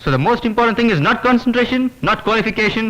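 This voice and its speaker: A man's voice: very high voice, little pitch movement, very slow, sharp tone, full character voice, poor audio. An actor playing a brash young man who rehearses film dialogue at the top of his voice, with film music behind him. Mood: pompous. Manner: theatrical, declaiming practice speeches. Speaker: aspiring actor. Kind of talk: 1990s Tamil film comedy.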